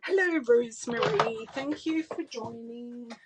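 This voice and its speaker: Heavy background noise sits under this fairly high-pitched, measured voice of a middle-aged Australian woman. Indoors in her home craft room, she runs a live card-making tutorial with viewer greetings, chatting casually and relaxed while thinking aloud, filmed by an overhead camera showing her hands on the desk.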